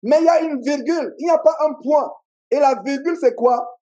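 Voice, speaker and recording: High-pitched preacher with a Cameroonian accent. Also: male voice, fairly quick, darkish tone. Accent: Cameroonian French. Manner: emphatic, repeats key phrases, call-and-response with the congregation. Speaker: pastor. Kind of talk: sermon. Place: church meeting.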